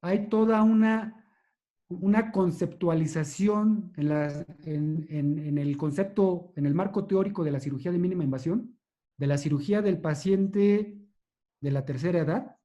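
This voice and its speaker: A man, a neurosurgeon giving a measured, explanatory lecture and answering questions, with hesitations and restarts. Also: on the high side, warm tone.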